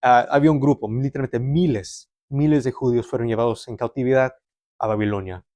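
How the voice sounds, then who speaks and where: A man's voice: mid-range voice, steady tone, a little fast, darkish tone, no room sound, studio quality. A man from Canada, raised in a Hispanic home, preaching a conversational, storytelling sermon in an earnest, explanatory way, repeating phrases and asking rhetorical questions.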